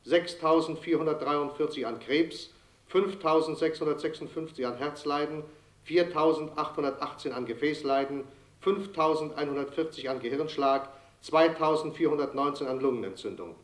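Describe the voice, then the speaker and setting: Man acting an official announcer, highish voice, cold formal bulletin, lots of echo. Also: moderate pace, close to an everyday voice. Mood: impersonal. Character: impersonal official announcer reeling off grim city statistics. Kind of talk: formal bulletin in a radio drama. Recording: echoey, roomy sound.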